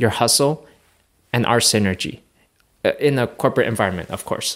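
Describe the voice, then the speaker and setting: An unremarkable speaking voice from a man, medium in pitch, with ordinary pitch variation, on a very clean recording over a silent background. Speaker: tech lead and online content creator. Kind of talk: satirical monologue, video essay.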